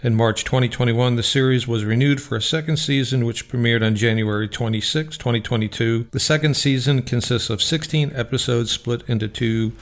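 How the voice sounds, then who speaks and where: A man's voice: mid-range voice, fairly even intonation, a little fast, few pauses. A man reading scripted narration as a radio show host, in a plain, factual manner.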